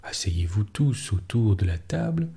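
A man softly voicing a proud, mischievous little girl in a storybook reading. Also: lowish voice, big pitch swings, measured pace, gravelly, husky, full character voice. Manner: softly read, hushed.

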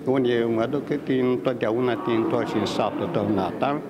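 An older man, an amateur painter, interviewed and speaking in a halting, heartfelt way. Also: medium pitch. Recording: noisy room.

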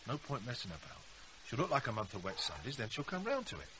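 Animated, blunt British man. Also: medium pitch, fast, a little hiss or hum, poor audio. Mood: blunt, assured. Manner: blunt, matter-of-fact, wry. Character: blunt, cocky businessman, tipsy partner of a mother. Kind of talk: naturalistic radio drama acting.

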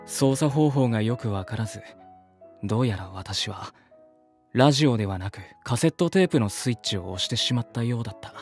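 A man's voice: medium pitch, lively intonation, a little fast, darkish tone, soft background music, close to an everyday voice. An actor playing an earnest, polite man who narrates his journey reflectively in an audio drama. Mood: reflective narration.

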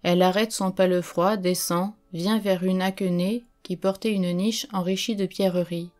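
A woman's voice: on the low side, steady tone, darkish tone. Woman narrating an old tale solemnly. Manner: measured, solemn storytelling. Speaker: audiobook narrator. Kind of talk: scripted narration.

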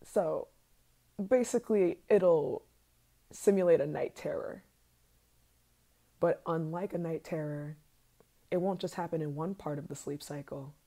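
A woman voicing an obsessive yandere scientist in an ASMR role-play, sweet and sinister, soft-spoken with hesitant pauses. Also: sits low. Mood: smug, sinister.

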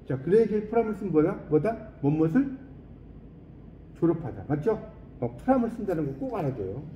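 A man teaching an English class, quizzing his students and reading English phrases slowly and deliberately. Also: a little high, echoey room, highs cut off, slight background noise. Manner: lively, quizzing students with questions.

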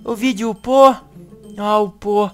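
A woman hosting a gaming channel, acting in a comedic video-game animation with an excitable, whiny way of talking. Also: mid-range voice, faint music behind. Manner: excitable, whiny, fast bursts.

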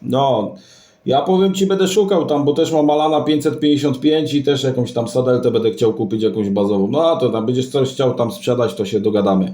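A man's voice: mid-range voice, fairly quick, dark tone. A man talking casually and matter-of-factly as a CB radio operator. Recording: roomy sound with clear noise and clicks.

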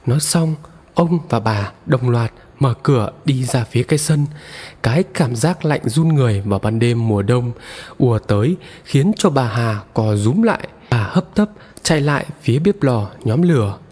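A man narrating a scripted horror story in a measured storytelling manner. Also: mid-range voice, lively intonation, darkish tone, slightly rough. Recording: long reverb.

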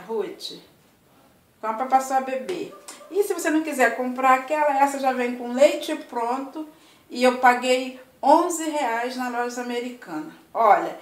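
A woman's voice: fairly high pitch, far from the mic. An older woman with a Brazilian accent, chatting tenderly and casually at home as a vlog host. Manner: chatty, tender, full of diminutives. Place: home, indoors. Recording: roomy echo.

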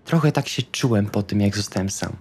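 A man's voice: on the low side, a little fast, a little mellow, slightly rough. A man playing a subdued, troubled, apologetic male vampire in an improvised tabletop roleplay.

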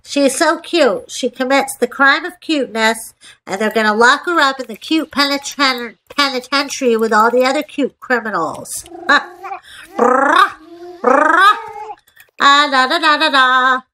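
The audio is poor, with a little hiss or hum, as this woman narrates her screen-recorded game. She's a gaming video host with a high, bright, forceful voice that sounds congested and nasal, speaking a little slowly in playful, casual self-talk full of repeated phrases.

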